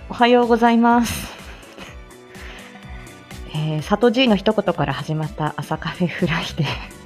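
A woman's voice: on the low side, lively intonation, moderate pace, soft background music. A woman who is a speech-language therapist hosts a casual live stream, chatting with many fillers and frequent laughs.

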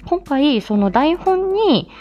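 A woman's voice: sits high, sing-song, slow pace, warm tone. A woman voice actress chatting casually about her drama, with lots of fillers and frequent laughs. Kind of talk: casual livestream chat. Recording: slightly dull audio with faint music.

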